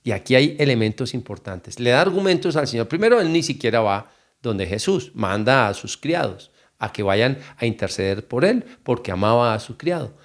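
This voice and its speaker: A male preacher giving a Spanish-language teaching sermon. His delivery moves between calm explanation and sudden raised, pleading calls, lifting pitch and loudness to act out prayers. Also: moderate pace. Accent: Colombian Spanish. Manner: rises in pitch and volume to act out prayers and biblical cries.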